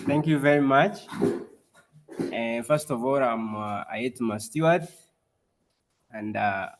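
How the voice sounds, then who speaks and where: A man gives a personal testimony as a guest speaker on a video call, pausing often and restarting his sentences. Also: medium pitch. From Uganda. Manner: halting, with frequent pauses and restarts. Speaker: community group leader, guest speaker.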